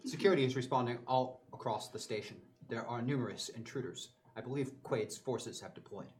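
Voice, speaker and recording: A man running a tabletop game voices a calm, polite ship computer AI that talks in level, formal phrases. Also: medium pitch, fairly quick, lightly acted. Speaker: game master. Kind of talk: voicing a character in a tabletop game.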